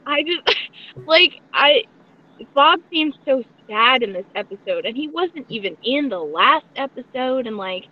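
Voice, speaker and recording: Woman, higher-pitched voice, informal podcast host, gushing and rambling, slightly dull lo-fi recording. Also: lively intonation, measured pace. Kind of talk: casual excited podcast chat.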